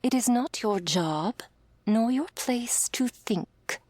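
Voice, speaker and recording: A woman playing a stern, condescending female elder angel, speaking in a measured, patronising ASMR role-play with a breathy, creaky voice. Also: fairly high pitch, animated, darkish tone, no room sound. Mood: stern, commanding.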